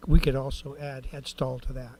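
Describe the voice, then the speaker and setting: A man's voice: mid-range voice, flat delivery, moderate pace, dark tone. A man with a mid-range voice makes folksy, rambling remarks on council business. He speaks into a desk microphone in a council chamber, with a faint hum in the background. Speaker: city council member.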